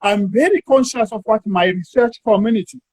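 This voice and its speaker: A South African man, a university academic, talking through an academic discussion in a measured way and drawing words out while he thinks. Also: high voice, a little mellow, slightly rough, dry recording.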